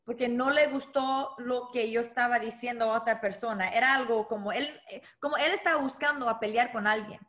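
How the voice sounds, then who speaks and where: A woman with a high voice speaks as an interview guest. She coaches boxing and tells her story haltingly, restarting phrases and mixing in English words. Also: a bit bright. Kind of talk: conversational interview.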